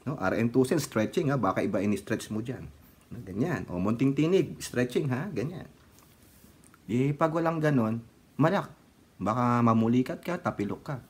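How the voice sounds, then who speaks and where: With a medium-pitched, animated voice that has a breathy edge, this Filipino-accented man talks at a moderate pace in his political vlog. His commentary is sarcastic and easygoing, dotted with frequent laughter and bits of singing.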